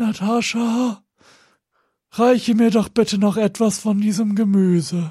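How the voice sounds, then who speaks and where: A man's put-on character voice, high in pitch and fairly even in intonation, fairly slow with long, frequent pauses. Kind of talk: overly polite. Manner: fake-sweet, passive-aggressive.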